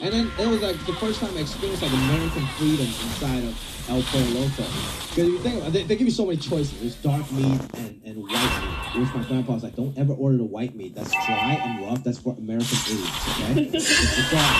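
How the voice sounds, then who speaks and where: With music in the background and audible room echo, a man at medium pitch talks at a fairly quick pace with lively intonation and hardly any pauses. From Hong Kong, moved to Los Angeles at 13. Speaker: interview guest. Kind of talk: casual interview. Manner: animated.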